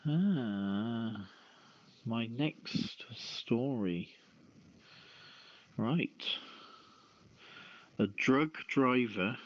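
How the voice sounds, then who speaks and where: Man, lowish voice, halting news reading and hosting, call-in radio show, muffled lo-fi sound. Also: fairly bright tone. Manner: halting delivery with stumbles. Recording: roomy, dull lo-fi radio-style audio.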